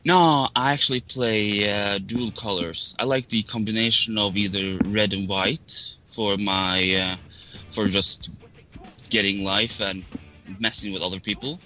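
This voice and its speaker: Bright-voiced Norwegian man, shy guest. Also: lowish voice, steady tone, unhurried, soft background music, low-quality recording. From Norway. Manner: shy, hesitant. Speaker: podcast guest. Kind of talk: casual chat.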